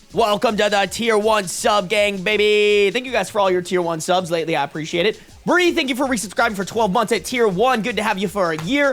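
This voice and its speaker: Over music in the background, a man talks loudly in a high pitch at a fairly quick pace, with ordinary pitch variation and hardly any pauses. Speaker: streamer. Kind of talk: casual chat. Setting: live stream.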